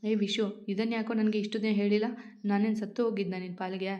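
Woman reading as a loving young wife, soft and affectionate, even tone, dull lo-fi audio, storybook reading. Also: mid-range voice, quick pace, natural voice. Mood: upset.

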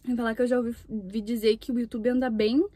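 A woman's voice: a little high, little pitch movement, fast, mellow, a little hiss or hum. A young woman from Brazil chatting casually between bites of food while filming a mukbang in a parked car, with the camera on the dashboard. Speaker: mukbang YouTuber. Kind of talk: casual chat while eating.

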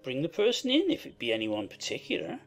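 Woman doing a fussy disdainful gentleman husband from an old novel, low creaky voice, swoops up and down. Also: huge pitch swings, quick pace, soft background music, exaggerated voice. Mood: cross. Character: fastidious, peevish gentleman husband, young and disdainful.

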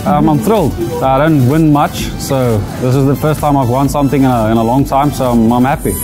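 A man in his thirties, a competition winner speaking in a relaxed, hesitant way in a supermarket interview. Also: mid-range voice, brisk. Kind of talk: on-camera interview. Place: indoors in a large supermarket. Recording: music bed under speech.

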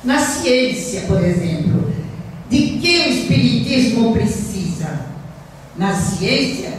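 An older woman delivers an earnest lecture in a small hall, her fairly high voice unhurried and deliberate. She speaks into a stand mic, but the sound is caught from far off. Heavy, lingering echo fills the room. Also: slight background noise. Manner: earnest, emphatic, slow and deliberate. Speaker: spiritist lecturer. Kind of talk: lecture reading from notes. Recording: roomy hall echo from a distant camera.

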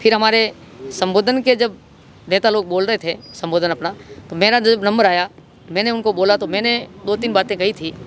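A man with a Rajasthani accent and a high-pitched voice recounts an incident as an interviewee. He speaks into a reporter's handheld microphone outdoors, with faint street noise behind him. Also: normal speed, a bit bright. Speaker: local political party worker, interviewee. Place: outdoors in an office compound.

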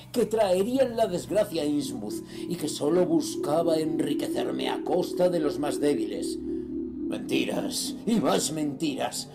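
A man's voice: on the high side, gravelly. An actor playing a ruthless cult leader reading his sinister diary in a horror audio drama, solemn, menacing and theatrical. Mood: bitter, vengeful.

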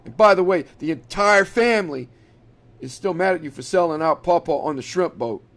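A man's voice: a little high, lively intonation, moderate pace, fairly bright tone. A man voicing a young woman college student scolding her boyfriend in an exasperated way, in a read-aloud horror story.

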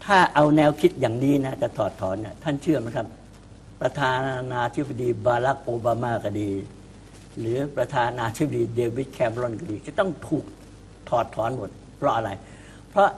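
A man's voice: medium pitch, animated, moderate pace, slight background noise. Emphatic Thai man discussing politics. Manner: emphatic, repeats words when starting a point. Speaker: political commentator. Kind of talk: talk-show discussion.

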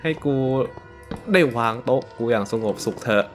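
A young man commentating a horror game for viewers, swearing and yelling in fright as he plays. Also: medium pitch, expressive, normal speed, faint music behind. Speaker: gaming YouTuber.

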